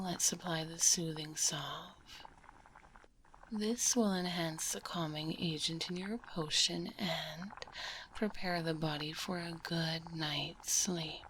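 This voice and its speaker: A woman voicing a gentle, caring witch healer in an ASMR roleplay, whispering softly and soothingly close to a binaural microphone. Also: lowish voice, a little hiss or hum, rough recording. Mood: soothing, attentive. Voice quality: soft, breathy whisper. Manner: soothing, unhurried, nurturing. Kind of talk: ASMR roleplay, addressing the listener.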